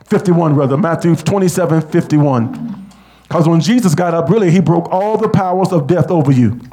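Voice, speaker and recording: High-voiced man preaching a call-and-response sermon. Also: normal speed, warm tone.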